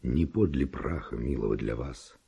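Reckless romantic nobleman, super deep husky gravelly voice, dramatic radio play verse. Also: moderate pace, warm tone, exaggerated voice. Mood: passionate pleading. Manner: theatrical, impassioned verse declamation. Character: ardent, reckless male nobleman seducer, pleading and daring. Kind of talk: classic Russian radio play verse acting.

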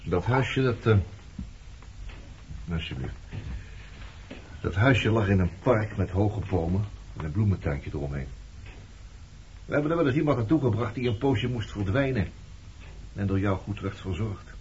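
A man's voice: lowish voice, expressive, moderate pace, pauses often, a little mellow, natural voice. An actor playing a blunt, reproachful man questioning his former lover in a Dutch radio play. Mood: reflective, probing. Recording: muffled, noisy old radio recording.

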